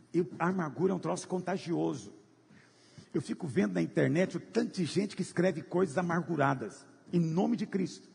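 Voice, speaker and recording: A man preaches with fierce passion, his voice pitched high, gravelly and rough-edged. He swings from loud cries down to low murmurs. The sound rings out in a reverberant hall. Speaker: pastor. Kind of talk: sermon.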